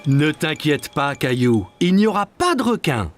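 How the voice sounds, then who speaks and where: A man voicing a gentle, reassuring young father in a children's cartoon, patient and cheerful as he explains. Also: fairly high pitch, big pitch swings, normal speed, faint music behind.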